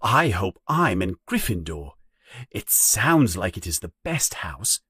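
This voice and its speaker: A man voicing a bossy know-it-all schoolgirl who talks very fast. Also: low-pitched, sing-song, sharp tone, husky, no room sound, studio quality, heavily acted. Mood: bossy, eager.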